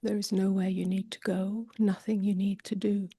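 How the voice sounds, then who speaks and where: A woman meditation teacher leading a guided meditation softly and gently, often drifting toward a whisper, with long pauses. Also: medium pitch, level tone, no echo. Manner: soft, breathy delivery drifting toward a whisper.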